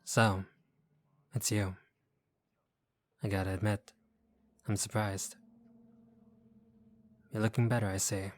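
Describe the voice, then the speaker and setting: Man acting a low-voiced, wary street gangster. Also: flat delivery, slow pace, long pauses. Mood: wary, dry. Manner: guarded, sardonic, casual street talk. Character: wary, streetwise young gangster for hire, gruff but decent. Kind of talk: roleplay audio drama acting.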